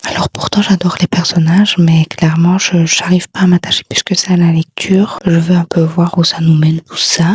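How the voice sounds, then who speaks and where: A woman whispers with hardly any pauses in a dry, close sound with no echo. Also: moderate pace. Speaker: book vlogger. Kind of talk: casual vlog. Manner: whispering.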